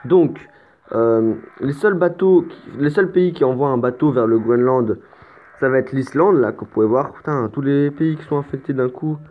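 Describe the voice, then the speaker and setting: A man's voice: mid-range voice, normal speed. Chatty man with a tinny lo-fi sound. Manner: chatty and explanatory, with stammers and mild swearing. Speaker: let's play host. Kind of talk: casual gameplay commentary.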